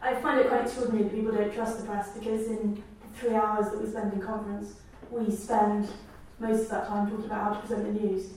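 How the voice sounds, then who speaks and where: A woman's voice: mid-range voice, flat delivery, a little fast, hardly any pauses, a little mellow, a little hiss or hum. A woman journalist speaking as a panelist, firm and defensive. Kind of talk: panel discussion. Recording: echoey hall, distant mic.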